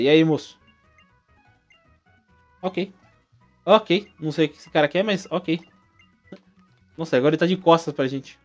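A young Brazilian man with a Brazilian Portuguese accent, joking through playthrough commentary and talking to the game characters. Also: a little high. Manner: jokey, exclamatory, talks to the game characters. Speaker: gaming YouTuber.

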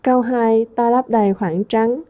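A woman teacher who speaks slowly and carefully, with a soft, mellow tone. She reads each word or sentence aloud, then gives its meaning, step by step through a workbook lesson. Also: on the high side, fairly even intonation. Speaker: English teacher. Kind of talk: textbook lesson walkthrough.

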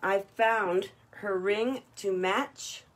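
A woman's voice: medium pitch, drawn-out words. Chatty woman gushing over jewelry. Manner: chatty and gushing, praising each piece. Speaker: jewelry seller hosting a live online party. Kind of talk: live-stream sales chat.

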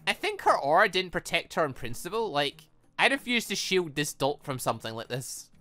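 An excitable, chatty let's player who giggles while commenting on and reading out a visual novel. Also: medium pitch, brisk, soft background music. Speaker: host of a game playthrough.

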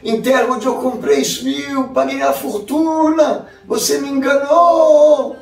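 Man voicing a shrill, furious young ghost, shouting accusations, roomy echo, distant mic. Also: takes it slowly, faint music behind, heavily acted. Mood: furious, accusing. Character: dead young man's ghost, demanding, furious.

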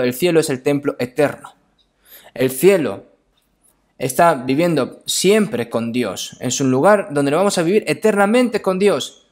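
This is a man giving a sermon that includes scripture readings. His pitch is fairly high, and his delivery is halting, full of repeated phrases and frequent little questioning tags.

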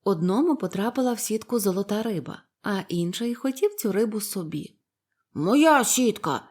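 A woman narrating a bedtime fairy tale in a calm, unhurried way. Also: medium pitch.

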